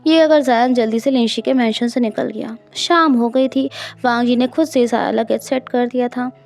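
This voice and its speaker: Mellow woman narrating a romance audiobook. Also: fairly high pitch, fairly even intonation, normal speed, gravelly, faint music behind. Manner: casual, conversational, mixes English words. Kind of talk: storytelling narration.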